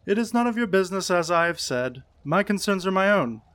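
A man's voice: medium pitch, sing-song, fast talker, pitched above the performer's own voice, lightly acted. A man voicing a tense, secretive stranger who answers tersely and stiffly. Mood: defensive.

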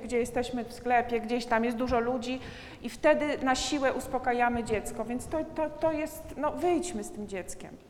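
A woman's voice: high voice, big-room sound, a little hiss or hum. A woman giving an informal talk about parenting, speaking directly to her listeners in a conversational way with many fillers.

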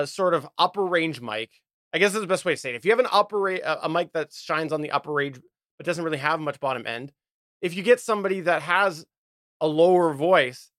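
A man with a slightly high voice talks casually as a podcast co-host. He explains things in a loose, rambling way, recorded close and dry with no room sound. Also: fairly bright tone, no echo. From Canada. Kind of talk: casual chat about audio gear.

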